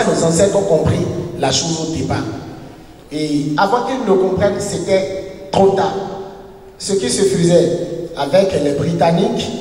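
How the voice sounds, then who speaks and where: A university professor and historian lectures in a second language, his first being a local language other than French. He speaks haltingly, searching for words with frequent restarts and fillers, in a fairly high, warm voice. The hall is echoey and the mic sits far from him.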